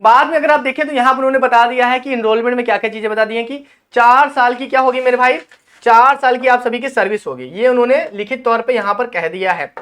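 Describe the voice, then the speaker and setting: This man speaks with an extremely high, slightly bright voice. Hosting an educational channel, he delivers a passionate explainer about a document, calls his listeners "brother," and reads English clauses aloud slowly.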